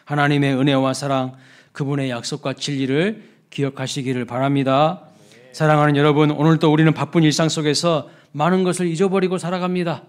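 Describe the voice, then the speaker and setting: Man, pastor, Sunday sermon, slightly high voice, emphatic, sudden soft drops. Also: level tone, fairly quick. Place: church sanctuary.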